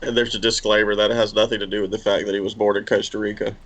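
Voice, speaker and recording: A man joining a trading stream over a video call, chatting casually and telling quick self-deprecating stories. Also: fairly low pitch, level tone, fairly bright tone. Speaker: stream participant. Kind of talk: casual chat.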